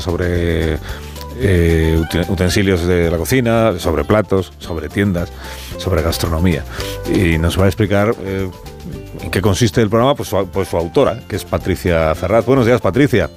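A man's voice: deep voice, moderate pace, darkish tone, soft background music. A man with a Castilian Spanish accent hosting a conversational radio interview, hesitating and repeating words as he goes. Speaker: radio host.

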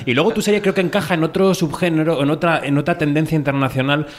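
A man, asking quick, friendly questions as a podcast interviewer. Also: on the high side, fairly even intonation. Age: 30s. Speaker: interviewer, film podcast host. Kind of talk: casual interview talk.

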